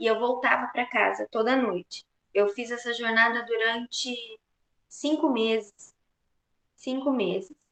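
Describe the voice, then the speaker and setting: Long, frequent pauses break up this woman's speech, which sits at a fairly high pitch with fairly even intonation. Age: 20s. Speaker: clinical psychologist. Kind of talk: career talk to students. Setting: online video event. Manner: hesitant, many fillers.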